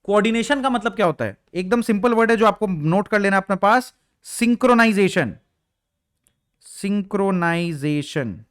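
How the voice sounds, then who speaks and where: High-voiced young male teacher explaining. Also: a little fast, fairly bright tone. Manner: casual explaining, mixing Hindi and English, asks students questions. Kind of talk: exam revision lecture.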